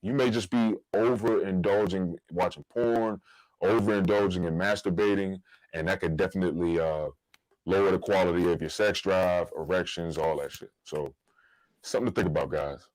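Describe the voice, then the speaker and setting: Podcast host: American male, low-pitched, dry studio-tight sound, informal and slangy, casual personal talk and advice. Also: normal speed, darkish tone, no room sound, rough recording.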